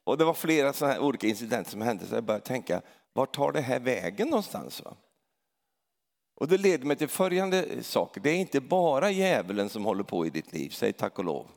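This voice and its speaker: A middle-aged man giving a sermon like a story told to friends, tagging "va?" onto his sentences and stumbling through restarts before climbing to loud, emphatic peaks. His pitch swings widely from low mutters to high exclamations. His voice carries the long reverb of a large hall. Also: big pitch swings, creaky. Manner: conversational storytelling, tags lines with a questioning "va?". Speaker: preacher.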